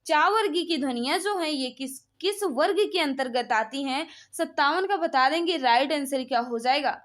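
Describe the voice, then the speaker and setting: High-pitched woman teaching a quiz. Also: a bit bright. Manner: brisk prompting, repetitive set phrases. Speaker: online exam-prep teacher running a live quiz class. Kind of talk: live quiz lesson, reading questions and confirming answers.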